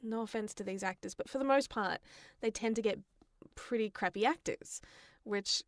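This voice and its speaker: A woman's voice: medium pitch, moderate pace, no room sound, studio quality. A woman co-hosting a podcast in casual chat, opinionated and emphatic in how she talks. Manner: opinionated, emphatic, quotes imagined reactions. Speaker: podcast co-host. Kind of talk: casual podcast chat about games and film.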